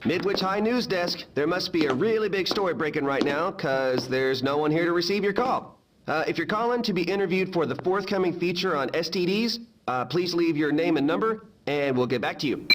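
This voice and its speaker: A man voicing a young male school newspaper answering machine, giving a brisk recorded phone greeting. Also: a little high, recorded from a distance, noisy background, lightly acted. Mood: cheery. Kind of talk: video game voice acting.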